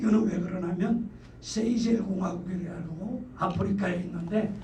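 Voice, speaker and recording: Noticeable background noise and audible room echo surround the voice. The pace is moderate. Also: man. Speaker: business leader speaker. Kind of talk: motivational seminar talk. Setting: stage with audience. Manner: animated.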